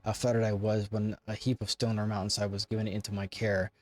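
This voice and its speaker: A man's voice: on the low side, little pitch movement, a little fast, lightly acted. A man voicing an arrogant, lordly ancient undead lich from a fantasy game, with haughty, formal, archaic speech. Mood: bitter, disdainful. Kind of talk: reading game dialogue in character.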